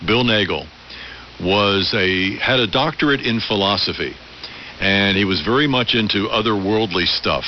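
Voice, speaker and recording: Male ham radio operator, lowish voice, friendly and playful, AM signal with faint hiss. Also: normal speed, highs cut off. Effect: AM radio transmission. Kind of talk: casual radio chat. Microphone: radio microphone heard over receiver.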